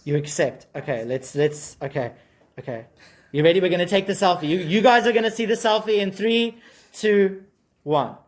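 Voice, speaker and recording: A woman's voice: fairly low pitch, normal speed. A woman hosting a casual challenge segment, upbeat and cheerful, counting down for her crew. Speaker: host running the crew challenges.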